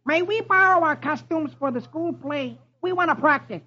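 A man voicing cheeky little cartoon duck nephews, eager and squeaky. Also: normal speed, bright, forceful tone, exaggerated voice. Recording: dull old radio recording.

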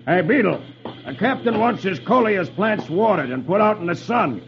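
A man voicing a gruff, bossy army sergeant. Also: high voice, lively intonation, moderate pace, faint music behind, pitched above the performer's own voice. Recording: dull old radio recording.

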